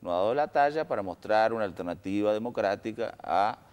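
Man, Uruguayan accent, very deep voice, lively intonation, measured with fillers, political panel. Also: smooth. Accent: Uruguayan Spanish. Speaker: political analyst. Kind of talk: panel discussion.

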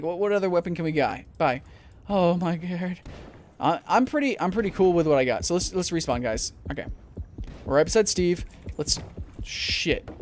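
A man's voice: high-pitched, slight background noise. Jumpy young man commentating gameplay. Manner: jumpy, swears, frequent panicked shouts. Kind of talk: let's play commentary.

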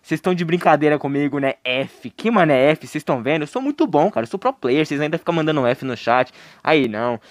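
A man's voice: on the high side, animated, quick pace, dry recording, clean studio sound. A young man with a Brazilian Portuguese accent streaming a horror game live, joking with his chat and breaking into panicked yelps when scared. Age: young adult. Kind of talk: live gameplay commentary.

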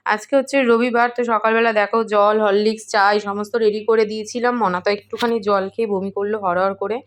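A woman's voice: mid-range voice, fairly even intonation, fast. A woman in her thirties narrating a casual home vlog as she does chores, her throat heavy from a cold. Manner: chatty, talks through chores, mixes in English greetings. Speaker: vlogger, homemaker. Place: home, kitchen and rooms, indoors.

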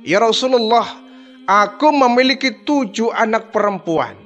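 A man's voice: very high-pitched, animated, measured pace, fairly bright tone, highs cut off, faint music behind, exaggerated voice. A man voicing a repentant male Arab chieftain who pleads emotionally in a retold story. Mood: remorseful.

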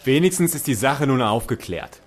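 A man's voice: mid-range voice, lively intonation, moderate pace, slight background noise, lightly acted. A man playing an earnest, respectful junior police constable in a crime audio drama. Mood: earnest, admiring. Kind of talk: radio play acting.

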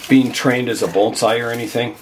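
Hoarse older man working in a greenhouse. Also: medium pitch, steady tone, fairly quick, slight background noise. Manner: chatty, thinking aloud while working. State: hoarse from a cold. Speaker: bonsai channel host. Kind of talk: casual hands-on demonstration. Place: glass greenhouse.

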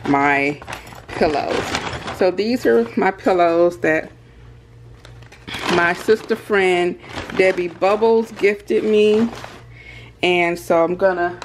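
Low-voiced woman vlogging casually at home. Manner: informal, addresses viewers directly. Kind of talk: casual vlog chat. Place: indoors in a house. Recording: clearly noisy home recording, clicks.

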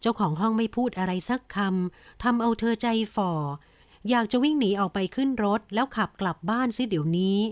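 A woman narrating a romance audiobook in an even, gentle storytelling manner. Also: on the high side, brisk, dry recording. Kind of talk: scripted romance novel narration.

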